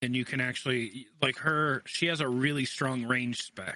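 Bright and sharp in tone, a man speaks fairly slowly at medium pitch. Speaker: podcast co-host, music producer. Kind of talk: casual banter.

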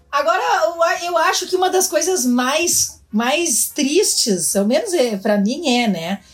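A woman with a high voice talks very slowly, her pitch swinging very widely while her loudness stays very even, with hardly any pauses and noticeable background noise. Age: 40s. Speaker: teacher. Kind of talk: casual chat.

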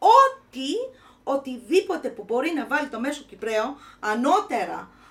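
A woman with a non-native accent speaks at a fairly slow pace. Her high voice moves in very wide pitch swings. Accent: non-native accent in Greek. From grew up abroad, Cypriot father and Bulgarian mother. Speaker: academic and visual artist. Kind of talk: casual chat. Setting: studio.

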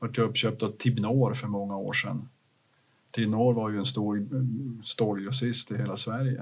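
A man's voice with vocal fry and ordinary pitch variation, at a moderate pace. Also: medium pitch for a man. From northern Sweden, Skellefteå. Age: 60s. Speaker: company CEO. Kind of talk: interview.

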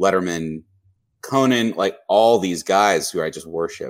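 A man's unremarkable speaking voice, fairly low-pitched, with an American accent and ordinary pitch variation. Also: very clean recording, silent background. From US Northeast, Boston. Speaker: songwriter and entertainment professional. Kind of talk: interview.

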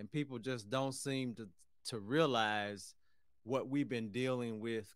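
With lively intonation and a fairly slow pace, a man in a normal speaking voice of medium pitch comes through on a very clean recording with a silent background. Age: 60s. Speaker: guest, friend of the host. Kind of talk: casual discussion.

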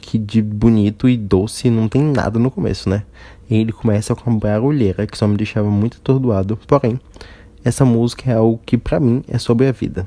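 Using fairly even intonation, a man talks at a fairly quick pace with a medium pitch and a dark, mellow tone. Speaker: podcast host. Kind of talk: solo podcast monologue.

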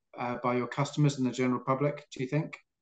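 Against a quiet background, a man speaks with an English accent. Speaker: podcast co-host, estate agent. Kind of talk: interview. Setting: video call.

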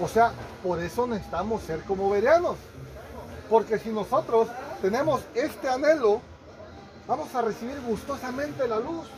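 With an extremely high pitch and lively intonation, a man talks at a moderate pace. Long, frequent pauses break up his speech over noticeable background noise. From Mexico. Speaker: preacher. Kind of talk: sermon. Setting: church. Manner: fervent, exhortative preaching, with frequent '¿verdad?' and amén; halting, repeating words.

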